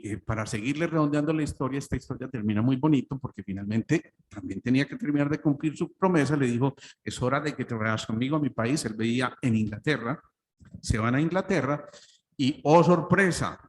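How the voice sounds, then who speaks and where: Paisa-accented man lecturing in a reverberant hall. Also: mid-range voice. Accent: Paisa (Antioquian) Spanish. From Colombia. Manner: storytelling with frequent "¿cierto?" asides. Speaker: doctor giving a lecture. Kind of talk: spiritual lecture with storytelling. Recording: long hall reverb, faint background noise.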